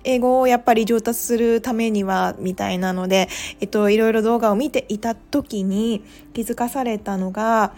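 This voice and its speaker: A pharmacist from Japan hosts a podcast in a casual monologue, using lots of fillers and laughing at herself. Her voice is fairly high and darkish, with fairly even intonation. She speaks at a moderate pace with few pauses.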